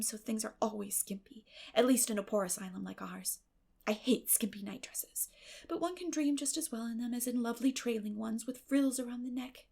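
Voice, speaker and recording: A woman voicing a dramatic, imaginative orphan girl in an audiobook, earnest and reproachful. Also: on the high side.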